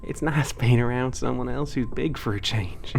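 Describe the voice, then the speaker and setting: A man's voice: medium pitch, normal speed, vocal fry, a little mellow, slight background noise, natural voice. A man voicing a shy, friendly young giant who speaks with a drawl, rambles nervously with folksy slang, fillers and little laughs. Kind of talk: audio drama roleplay.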